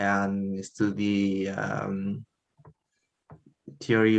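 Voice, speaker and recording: A man speaks with a Spanish accent at a fairly low pitch. His intonation stays fairly even. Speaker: acting student and musician. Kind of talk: group interview on video call. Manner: halting, many hesitations.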